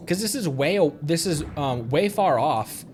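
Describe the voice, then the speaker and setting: A man's voice: fairly high pitch, lively intonation, a little slow, darkish tone, a little hiss or hum. A man casually commenting as he livestreams a video game, musing aloud to himself.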